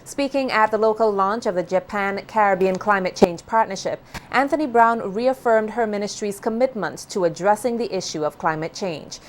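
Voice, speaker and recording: A woman anchoring a local television newscast, reading scripted news items in a measured, formal way. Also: medium pitch, slight background noise. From Saint Vincent and the Grenadines.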